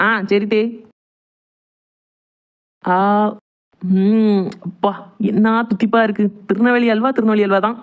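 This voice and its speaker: A woman's voice: medium pitch, steady tone, a little slow, pauses often, natural voice. A woman voicing a playful village daughter-in-law in a cartoon. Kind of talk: homemade cartoon family drama. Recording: muffled, phone-like sound.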